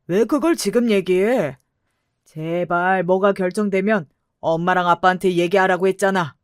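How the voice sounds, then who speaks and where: A woman's voice: fairly low pitch, normal speed, clear, resonant tone, no echo, studio quality, close to an everyday voice. A woman voicing a stern middle-aged father who demands answers from his daughter. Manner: demanding, questioning.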